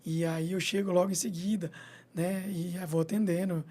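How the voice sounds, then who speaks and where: Um homem veterinário, convidado de uma entrevista de rádio, falando de forma descontraída e tagarela e pontuando as frases com "entendeu?". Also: male voice, high voice, level tone, moderate pace, dark tone. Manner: chatty, repeats "entendeu?" and "né?", acts out little scenes. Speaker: veterinarian and clinic owner. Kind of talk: radio interview guest, casual chat.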